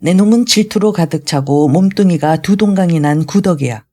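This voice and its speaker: A raging old retired general roars insults and curses at his family in a storybook reading. His voice stays mellow and warm in tone, sitting at a middle pitch, as a reader acts him out. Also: normal speed, close to an everyday voice. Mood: ranting. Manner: shouting, scolding.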